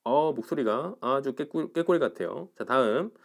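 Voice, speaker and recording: Male teacher, online class lecture, lively rising and falling voice, checks in with students, step-by-step explanations. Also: medium pitch, normal speed, gravelly. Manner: explains step by step, asks "알겠죠?" and "그쵸?" after each point. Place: indoors, recording alone for an online class.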